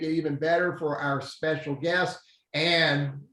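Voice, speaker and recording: Pitched fairly high, a man talks at a moderate pace. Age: 60s. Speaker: webinar host and social media strategist. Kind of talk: casual chat. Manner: animated.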